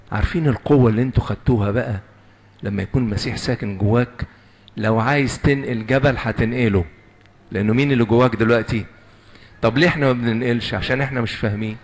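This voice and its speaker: A man with an Egyptian Arabic accent preaching a sermon to young people, quizzing the audience and drawing out lists slowly and emphatically. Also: medium pitch. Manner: asks the audience questions and answers them. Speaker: lay preacher.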